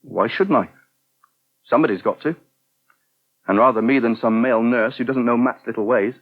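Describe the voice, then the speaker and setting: An actor playing a helpful but touchy young gay English restaurant worker in a 1980 British radio soap, brisk and plain-spoken. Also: male voice, mid-range voice, phone-quality sound, lightly acted. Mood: irritated, defensive. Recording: thin, band-limited old radio recording.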